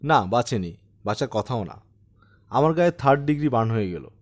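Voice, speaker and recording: A man's voice: medium pitch, expressive, a little fast, natural voice. Audiobook role: troubled man of sixty-seven, self-deprecating yet insistent, telling his eerie tale, played by a male reader. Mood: rueful, matter-of-fact. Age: 60s. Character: troubled 67-year-old man recounting his eerie haunting. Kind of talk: dramatised audiobook storytelling.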